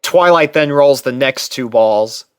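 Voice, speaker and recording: A man's voice: mid-range voice, measured pace, clean tone, no echo, clean studio sound. A man reading scripted first-person fiction aloud as a story narrator. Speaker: narrator and reader.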